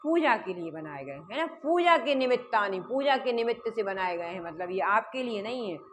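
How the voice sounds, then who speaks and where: A woman's voice: medium pitch, very animated, moderate pace, a little hiss or hum. A woman teaching a Sanskrit textbook chapter, explaining word by word and asking and answering her own questions.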